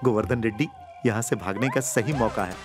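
A man's voice: fairly low pitch, fairly quick, close to an everyday voice. An actor dubbing a bumbling, cowardly middle-aged comic sidekick who whines and blurts out his thoughts. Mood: jittery. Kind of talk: dubbed film acting. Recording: film soundtrack with loud music.

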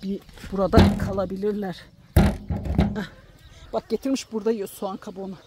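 A woman's voice: little pitch movement, normal speed, heavy background noise. A woman vlogging casually to her viewers outdoors in a farmyard, chatting along and cooing fondly at her chickens. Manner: chatty, coos affectionately at her chickens in a higher voice. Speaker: village life vlogger. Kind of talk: casual vlog chat to viewers.

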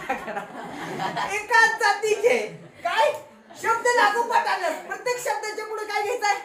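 Extremely high-pitched and expressive, this Marathi-accented school teacher talks at a normal speed while a crowd murmurs behind her. In her grammar lesson she playfully teases the children and quizzes them via call-and-response, inside an echoey classroom alive with young voices.

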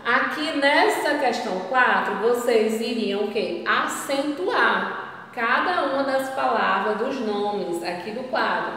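A woman teaching a grammar lesson to children, drawing words out slowly, asking the class questions and then answering them herself. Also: fairly high pitch, lively intonation, a bit bright. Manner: slow, drawn-out, stressing each syllable. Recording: roomy echo, distant from the mic.

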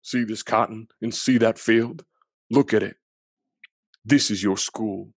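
A man voicing a stern, bitter field labourer in a storybook, barking curt orders loudly. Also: lowish voice, steady tone, takes it slowly, no room sound, clean studio sound. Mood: harsh.

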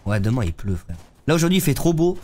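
Very animated and quick, this mellow, medium-pitched voice comes from a young man livestreaming a game. Seated in his gaming chair with a stuffy head cold, he talks loosely to viewers in slang as he plays.

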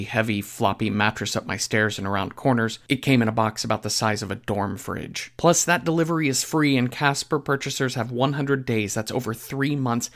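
A man hosting a podcast, reading scripted sponsor messages in an informal, conversational, dryly humorous way. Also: mid-range voice.

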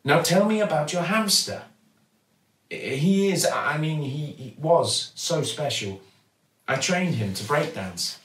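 A sad, polite little schoolgirl from a storybook, played by a man reading aloud. The voice is pitched up and downcast, in a roomy space. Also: expressive, takes it slowly, fairly bright tone. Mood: sincere. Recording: roomy, slightly distant mic.

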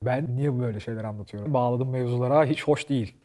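A man hosting a comedy talk show, delivering a loud, animated stand-up style monologue that swings from shouting to quiet asides. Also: medium pitch, fast talker.

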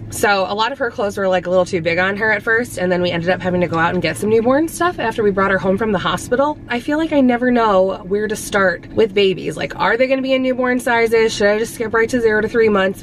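A woman's voice: a little high, slight background noise, rough recording. A pregnant woman in her thirties chatting to camera in a parked car, rambling casually with lots of fillers. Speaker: vlogger, mom. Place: parked car, then a store. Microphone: camera held at arm's length.

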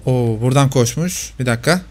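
A man's voice: mid-range voice, brisk, a little mellow, slight background noise. A man commenting live on his own gameplay, teasing the players he hunts.

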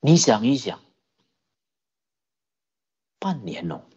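A Buddhist dharma teacher telling a story in a sermon, animated, often asking the listeners questions. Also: medium pitch, slow pace, dull audio, slight background noise. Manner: animated, many rhetorical questions to the audience.

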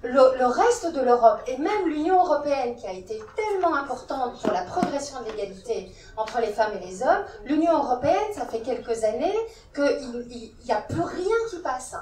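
A woman's voice: high-pitched, sing-song, normal speed, far from the mic, slight background noise. Italian-born woman warning in an echoey hall. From Italy. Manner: forceful, urgent warning. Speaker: panelist. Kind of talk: round-table discussion. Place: large conference hall. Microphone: handheld mic, filmed from far.

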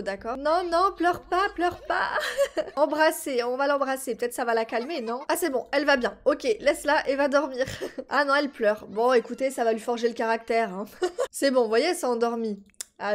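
Young female streamer, bright high register, chatty play-by-play with lots of cooing exclamations. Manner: animated, cooing and exclaiming over the game. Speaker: gaming streamer. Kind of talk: casual let's-play commentary.

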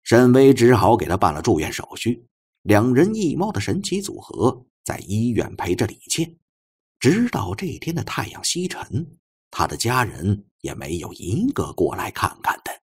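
A man narrating a novel as an audiobook, with measured, expressive, dramatic storytelling. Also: lowish voice, husky.

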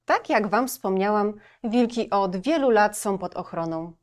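A woman librarian reading a storybook aloud and speaking gently and directly to young children. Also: medium pitch, animated, unhurried.

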